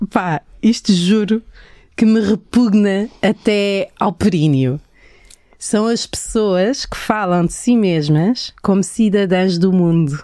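Speaking at a very slow pace, a woman has a dark, mellow tone. Her pitch is medium, with ordinary variation. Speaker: podcast co-host. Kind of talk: casual chat.

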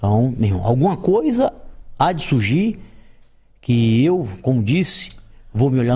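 A man with a Rio accent speaks at a moderate pace and a medium pitch. His dark, mellow tone is somewhat breathy, with very wide pitch swings. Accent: Brazilian Portuguese (Rio). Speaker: MMA fighter and war volunteer. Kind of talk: casual chat.

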